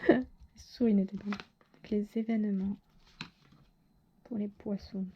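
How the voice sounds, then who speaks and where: A woman's voice: medium pitch, steady tone, measured pace, muffled recording, a little hiss or hum. A woman giving a casual tarot reading to her viewers, talking hesitantly with lots of fillers and self-corrections. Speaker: tarot reader.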